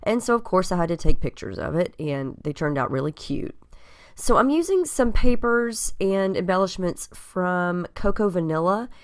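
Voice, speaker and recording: A woman with a cold-scratchy voice, giving a relaxed, chatty voice-over of her craft process with frequent ums. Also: sits low. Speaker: scrapbook crafter. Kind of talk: casual voice-over narrating a craft process video.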